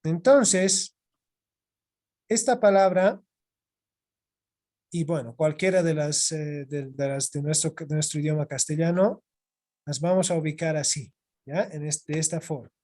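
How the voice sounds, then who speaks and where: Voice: mid-range voice, a little slow, pauses often, a little mellow. Patient teacher, online class. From Bolivia. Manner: patient, repeats points, checks in with "¿ya?". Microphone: video call microphone.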